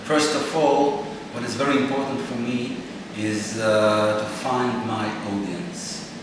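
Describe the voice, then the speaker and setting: A man's voice: mid-range voice, background noise. Estonian-native man, echoey distant mic. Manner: animated, gestures a lot, halting phrasing with fillers. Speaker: composer and performer. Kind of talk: relaxed interview answers. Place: small indoor room.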